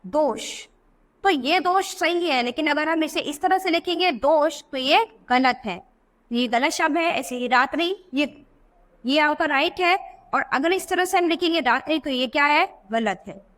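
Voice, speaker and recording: A woman's voice: high-pitched, a bit bright. A woman teacher explaining spelling corrections in a classroom lesson, asking questions and answering them herself. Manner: slow deliberate word-by-word examples. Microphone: voice-over for a video book.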